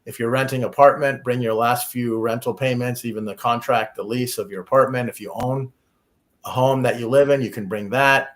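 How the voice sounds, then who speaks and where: A man's voice: medium pitch, fairly even intonation, a little fast, a bit bright. A man speaking as an immigration attorney, answering questions casually with frequent restarts. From United States. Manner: conversational, many restarts and fillers. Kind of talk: casual Q&A advice.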